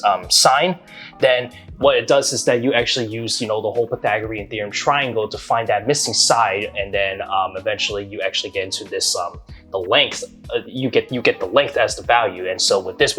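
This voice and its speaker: A man's voice: lowish voice, brisk, pushed and bright, faint music behind. A man explaining a math problem step by step in a casual, hesitant way, with many ums and restarts. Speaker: math tutor.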